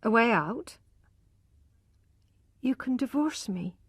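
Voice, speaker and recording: A woman voicing an ashamed young wife near tears, speaking in a high, trembling, pleading voice. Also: slow pace, a little mellow, no echo, clean studio sound. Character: tearful, ashamed young wife, humble and despairing.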